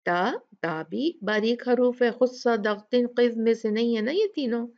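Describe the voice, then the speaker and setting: A woman's voice: fairly high pitch, dull audio. A woman teaching Quranic pronunciation with a South Asian Urdu-speaker's accent. She asks the class questions, answers them herself, and stretches out each example word. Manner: patient, asks questions then answers them, draws out example words slowly. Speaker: Tajweed teacher. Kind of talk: slow explanatory lesson with recited examples.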